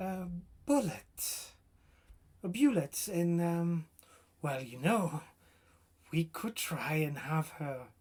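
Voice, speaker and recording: This female-sounding, put-on character voice sits fairly low in pitch for a woman and moves at a very slow pace. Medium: read story. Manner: formal, polite.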